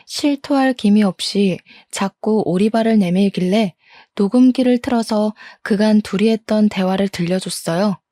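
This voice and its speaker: A woman's voice: mid-range voice, moderate pace, warm tone, dry recording. A woman narrating a first-person story about her marriage. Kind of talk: scripted narration of a true story.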